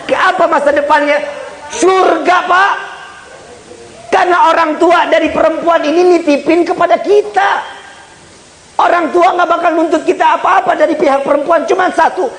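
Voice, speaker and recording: A male preacher giving a humorous sermon, speaking straight to the congregation with loud bursts and hushed asides. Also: extremely high pitch, a little hiss or hum, rough recording. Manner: jokey, animated, swings between loud and hushed; addresses listeners directly as Pak and Bu.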